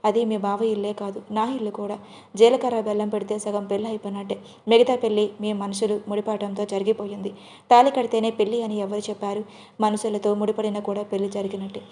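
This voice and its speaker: A stern, commanding older man who sides with his new daughter-in-law, as a woman storyteller reads him. He speaks firmly and raises his voice to be obeyed. The voice sits at an ordinary middle pitch for a woman. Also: flat delivery, brisk, mellow, natural voice. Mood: firm, reassuring.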